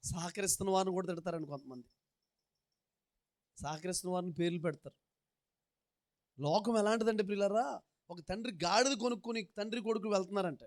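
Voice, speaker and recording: A man's voice: high voice, fairly quick, pauses often. A male pastor preaching a sermon, telling folksy stories and leading the congregation in repeating verses in rhythmic, repeated phrases.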